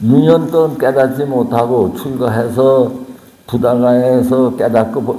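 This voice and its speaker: A man with a medium-pitched voice speaks at a very slow pace and with fairly even intonation, with noticeable background noise behind him. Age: 80s+. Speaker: Buddhist monk. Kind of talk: Buddhist dharma talk.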